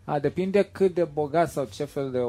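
Guy in his 30s, kinda high voice, animated storyteller. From Ghana. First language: not Romanian. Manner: animated storytelling, searching for words. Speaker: street musician guest. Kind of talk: casual chat.

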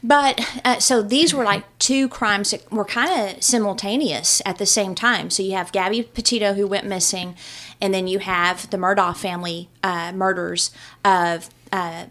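A woman's voice: medium pitch, steady tone, normal speed, fairly bright tone. Chatty woman hosting a podcast. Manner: chatty, rambling storyteller. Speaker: podcast host. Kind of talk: casual chat about a true crime case.

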